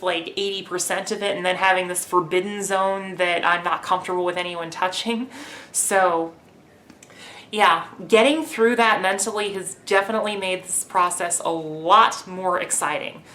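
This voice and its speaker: A young woman in a candid video diary with a middle-pitched voice. She talks in a chatty, eager way, open and personal with the camera. Her voice is caught on a camera mic at home. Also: moderate pace. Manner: candid, chatty, excited with nervous laughs. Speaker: vlogger.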